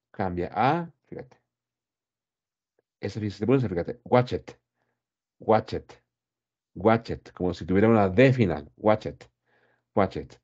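Slow, patient male English teacher. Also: lowish voice, dark tone, lo-fi sound. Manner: slow, patient drilling with repeated words. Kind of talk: English grammar lesson explained in Spanish.

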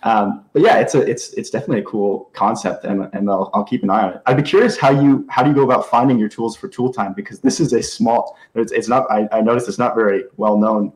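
A man's voice: lowish voice, fast talker, hardly any pauses, a little mellow, low-quality recording. A man appearing as a guest on a live-streamed talk show over a video call, thinking aloud with many hesitant restarts. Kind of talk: casual live-stream chat.

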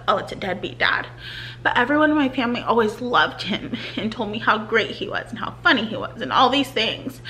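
A woman in her thirties chatting casually to camera from her living room, candid and talkative, with soft laughs now and then. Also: fairly high pitch, a little hiss or hum, low-quality recording. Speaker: vlogger. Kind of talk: casual vlog chat. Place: living room at home, seated on a couch. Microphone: camera in front, close framing.

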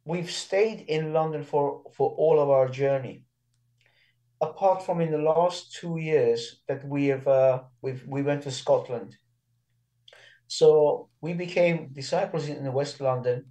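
A man in his sixties, born in Iran and speaking Persian and Armenian as first languages, talking earnestly and haltingly, often restarting, as an interview guest. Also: medium pitch, warm tone, poor audio. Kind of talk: casual interview.

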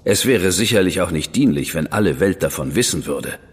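Superior official, measured, menacing, low voice, husky, reverberant. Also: male voice, expressive. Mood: cool. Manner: measured, superior, quietly threatening. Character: cool, arrogant high official, man, middle-aged. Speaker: government official recruiting an investigator. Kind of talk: radio play acting.

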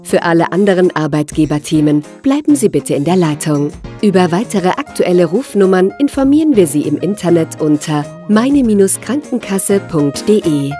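A woman recording a phone menu announcement, her voice slightly low and mellow. She reads each option calmly and evenly, with faint music under her voice. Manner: calm, measured, evenly articulated reading.

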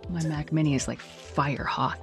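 A woman's voice: low voice, fairly even intonation, moderate pace, soft background music. A woman audiobook narrator in studio outtakes, breaking into giggles as she reads. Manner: giggling, breaking up mid-line. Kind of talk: studio outtakes, reading and laughing.

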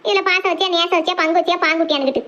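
High-pitched cartoon women, rapid, lo-fi audio. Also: female voice, steady tone, a bit bright. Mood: grumbling. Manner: fast, high-pitched chatter. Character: young village women, bride and elders.

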